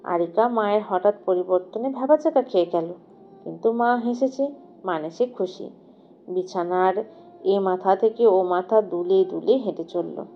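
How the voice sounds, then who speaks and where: A woman reads a novel aloud as a dramatic narrator. Her medium-pitched voice is expressive and shapes literary sentences. The recording sounds a little muffled. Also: unhurried. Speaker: audio story narrator. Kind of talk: dramatic scripted narration of a sad romance novel.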